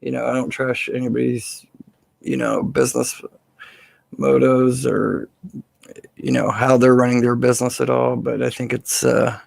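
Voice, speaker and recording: A man with a slightly hoarse voice hosting a casual live question-and-answer stream, speaking informally and haltingly off the cuff. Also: medium pitch, little pitch movement, no echo.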